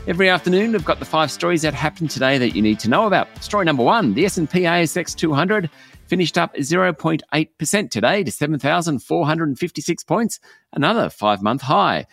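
An Australian man presenting a scripted market news bulletin, briskly and with emphasis as he opens each item. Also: a little high, expressive, fairly bright tone, faint music behind.

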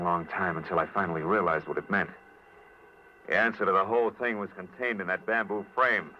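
Guy as tough wisecracking noir detective, low voice, muffled old radio drama with loud music. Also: natural voice. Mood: weary narration. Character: hard-boiled male private detective, tough and wry. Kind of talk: 1940s radio acting, first-person noir narration.

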